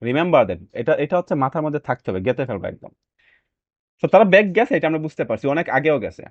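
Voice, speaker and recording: A man's voice: a little high, big pitch swings, fast talker, no room sound. A man teaching a reading lesson in casual speech, dropping English phrases in as he explains. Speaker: IELTS reading tutor. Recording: dry, dull lo-fi sound.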